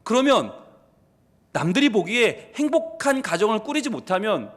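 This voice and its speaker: High-voiced animated Korean pastor preaching. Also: male voice, normal speed. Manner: animated preaching that acts out quoted dialogue. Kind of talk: sermon. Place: church sanctuary.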